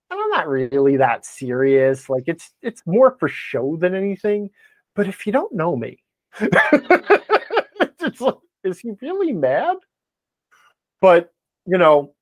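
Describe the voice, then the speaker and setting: An American man chatting casually as a podcast guest, rambling and self-deprecating, with an animated, ranting way of talking. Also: a little high, dry recording. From Wisconsin, United States. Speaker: podcast guest, blogger and game designer. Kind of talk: casual interview chat.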